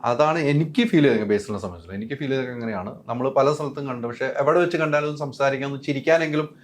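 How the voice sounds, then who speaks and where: A man's voice: medium pitch, very fast. A man with a Kerala Malayalam accent, interviewing in casual chat sprinkled with English words, emphatic and repetitive.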